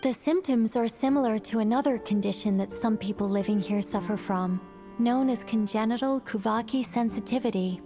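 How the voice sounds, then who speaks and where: An actress playing a self-assured, verbose woman scholar in an anime game, speaking in a formal, measured and articulate way. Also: on the high side, lightly acted. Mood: matter-of-fact. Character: poised, self-assured female scholar, verbose and dryly polite. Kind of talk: anime game voice acting, expository. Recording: game music playing behind.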